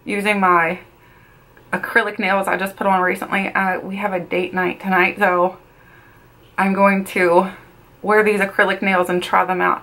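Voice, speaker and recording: A woman in her thirties talks casually to the camera while doing her makeup at her desk. Her voice sits a little low, and she is chatty, doubling words for emphasis. She feels she is losing her voice. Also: fairly bright tone, poor audio. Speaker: beauty vlogger. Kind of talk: casual get-ready-with-me chat. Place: small bedroom makeup setup, indoors.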